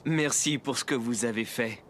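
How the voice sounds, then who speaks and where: A man playing a gentle, patient father in a children's cartoon, with music behind his voice. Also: medium pitch, normal speed, a little hiss or hum, lightly acted. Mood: warm.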